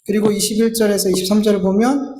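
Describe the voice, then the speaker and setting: A man's voice: sits high, steady tone, fast, warm tone, reverberant, slight background noise. A man preaching a Sunday sermon in earnest, now and then acting out pleading prayers in a raised voice. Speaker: pastor. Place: church sanctuary.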